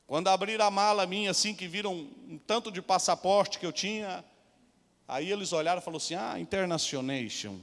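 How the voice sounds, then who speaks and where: Male pastor with a Brazilian Portuguese accent, very high-pitched, a storyteller who keeps addressing the brethren, recorded in a reverberant church. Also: steady tone, brisk, a bit bright. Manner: storytelling preacher, often calling out to the congregation. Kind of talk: sermon. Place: church hall. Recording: long church hall reverb.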